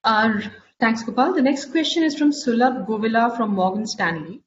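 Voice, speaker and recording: A woman's voice: on the high side, normal speed. A woman moderating an earnings call, reading out investor questions. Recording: dull, noisy conference-call audio.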